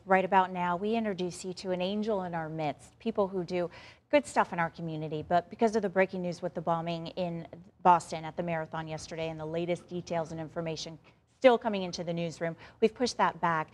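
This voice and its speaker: A woman's voice: on the low side, quick pace. A woman anchoring a live local morning TV newscast, talking to viewers directly in a conversational way.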